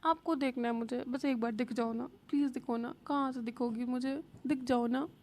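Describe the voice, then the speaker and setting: A woman's voice: on the high side, steady tone, moderate pace, darkish tone, a little hiss or hum, close to an everyday voice. A woman voicing a drunk, childish young woman student who pleads and whines in a babyish way. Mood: drunk, whiny.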